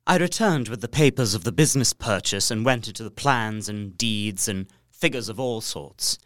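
A man's voice: lowish voice, expressive, normal speed, fairly bright tone, no room sound, clean studio sound. An actor playing a polite, observant and uneasy young solicitor, narrating his journal earnestly and precisely in a gothic audio drama. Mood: polite, businesslike. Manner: precise, earnest, theatrical storytelling.

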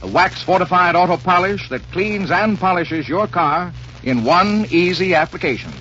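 A man announcing and reading sponsor lines on an old radio broadcast in a smooth, formal delivery. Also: high voice, animated, normal speed, bright, forceful tone. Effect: old radio broadcast sound. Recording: muffled old radio recording with faint hiss.

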